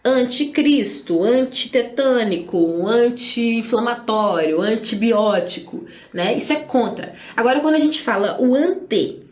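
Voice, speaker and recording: A Brazilian woman teaching a grammar lesson, explaining in a chatty way and stretching words slowly to stress them. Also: a little high, animated, roomy sound.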